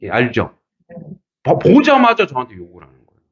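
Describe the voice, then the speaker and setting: A middle-aged man preaching as a pastor, telling a personal story with lively acted-out quotes and frequent laughter. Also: mid-range voice, normal speed, husky, lo-fi sound. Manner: animated, acts out quotes, laughs often. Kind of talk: sermon with storytelling.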